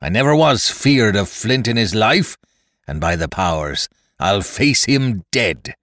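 A man doing a gruff, blustering pirate chief. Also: sits low, fairly bright tone, dry recording, clean studio sound, exaggerated voice. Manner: gruff, blustering sailor talk. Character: cunning, hardy old male pirate leader.

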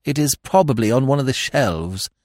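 A man gives voice to an aristocratic English wife in a comic storybook. She is curt and in command, with brisk, cool replies. The voice is raised in pitch and recorded dry. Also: a bit bright, no room sound. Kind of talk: comic novel audiobook character voice.

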